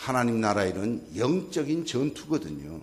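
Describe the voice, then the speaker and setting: In a room with audible echo, a man speaks at a medium pitch with very wide pitch swings. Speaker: pastor. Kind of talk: sermon. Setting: church. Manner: soft, calm.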